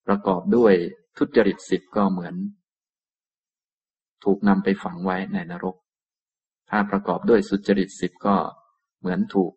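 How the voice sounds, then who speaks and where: A man giving a Buddhist Dharma talk, unhurried and repeating phrases for emphasis, with a gravelly, husky voice. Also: fairly low pitch, highs cut off. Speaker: Buddhist teacher.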